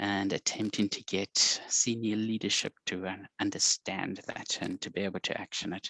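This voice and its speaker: The voice has a bright, sharp tone and a South African accent, with monotone, flat intonation. The pace is moderate, and the recording is very clean with a silent background. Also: man. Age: 40s. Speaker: IT security executive and archaeologist. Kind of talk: interview conversation.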